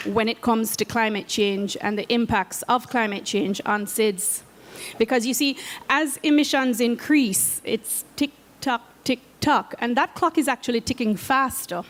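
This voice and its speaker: A woman with a Jamaican accent giving a prepared talk as a program head, earnest and measured. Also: a little high, long reverb tail. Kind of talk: prepared presentation. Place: event space at a conference.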